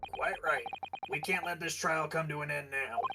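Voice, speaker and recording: A man uses a put-on character voice that is raspy and fairly high in pitch. He speaks at a moderate pace. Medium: game stream. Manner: formal, courteous.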